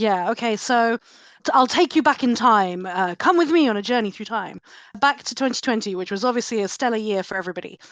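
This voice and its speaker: A woman with a British accent speaks at a fairly quick pace with lively intonation. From Britain. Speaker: cybersecurity policy expert. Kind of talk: interview. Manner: casual, filler-heavy.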